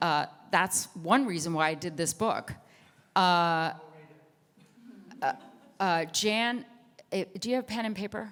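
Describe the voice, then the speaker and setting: Very slow pace with lively intonation. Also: woman. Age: 60s. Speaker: artist and panel moderator. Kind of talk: panel discussion Q&A.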